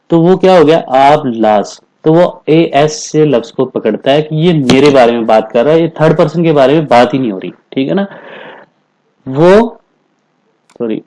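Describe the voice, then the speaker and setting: A man teaching Spanish in a classroom-style lesson, explaining patiently, repeating phrases, and saying the Spanish examples slowly and carefully. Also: mid-range voice, mellow, poor audio. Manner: explains patiently, repeats phrases, keeps asking "theek hai na".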